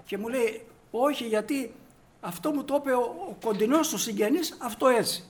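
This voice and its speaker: A man with a notably high voice delivers a sermon. He tells stories and acts out the people in them, then rises into emphatic points for his listeners. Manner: storytelling, acts out dialogue, rises to emphatic peaks. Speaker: preacher. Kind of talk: sermon with anecdotes.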